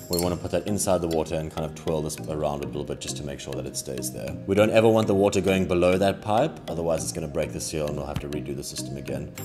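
A man speaks at a very fast pace. Clear music can be heard in the background. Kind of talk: tutorial. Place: shop. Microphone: lapel.

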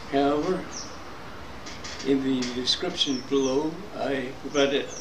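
Noticeable noise sits in the background. The speech moves at a fairly slow pace. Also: man. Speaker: kukri enthusiast. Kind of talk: casual talk to camera. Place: garden. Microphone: camera far.

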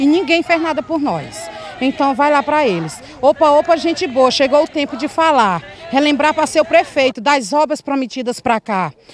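A woman with a high pitch talks at a moderate pace in an animated tone. There is light background noise, and the sound is dry, with no echo. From Maranhão, Brazil. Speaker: resident and amateur poet. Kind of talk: rhymed spoken-word poem, protest verse read aloud in rhythmic couplets. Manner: animated, rhythmic, sarcastic and indignant, punchy rhymed delivery. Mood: indignant, mocking. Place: street. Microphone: handheld.

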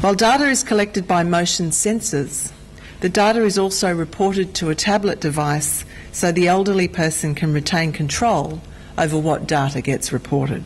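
A woman's plain, everyday voice, fairly low-pitched, at a moderate pace over light background noise. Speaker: government minister giving a conference speech. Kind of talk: prepared speech. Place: hall. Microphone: podium.

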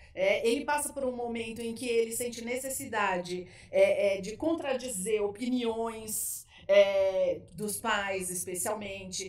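A woman speaks very slowly, with big swings in loudness and ordinary pitch variation. Audible room echo surrounds her voice. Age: 50s. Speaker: speech therapist and parenting educator; parenting educator. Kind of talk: interview. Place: studio.

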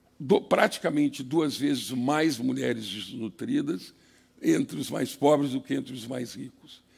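A man with a Brazilian accent at a moderate pace, with big swings in loudness. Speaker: public health researcher. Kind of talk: conference talk.

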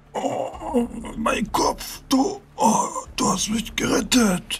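Using a put-on character voice, a man speaks at an extremely high pitch and a very slow pace. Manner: odd, creepy, ominous.

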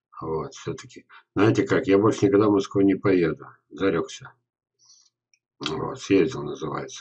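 The background is quiet as a man speaks. His voice is fairly low in pitch and somewhat breathy. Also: moderate pace. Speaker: webinar host answering chat questions. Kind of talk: casual webinar chat, answering questions. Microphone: webcam.

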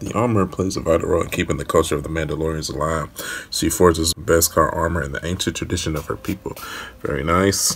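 A man speaks with a very deep, low pitch and fairly even intonation over noticeable background noise. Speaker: toy collector reviewer. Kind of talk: casual review commentary. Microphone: phone near.

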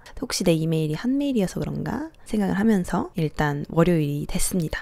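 A woman's dark, mellow tone at a fairly low pitch, moderate in pace with very wide pitch swings, dry with no echo against a quiet background. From South Korea. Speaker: vlogger. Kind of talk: casual storytelling to camera; casual vlog chat. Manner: animated. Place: home room. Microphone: handheld.

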